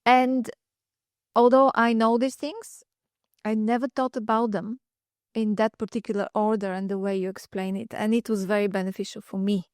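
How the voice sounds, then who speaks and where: A woman's voice: medium pitch, level tone, moderate pace, no echo, clean studio sound. A woman hosting a podcast interview over a video call, asking open questions and often murmuring agreement. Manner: warm encouraging questions, frequent short agreements. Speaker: podcast host.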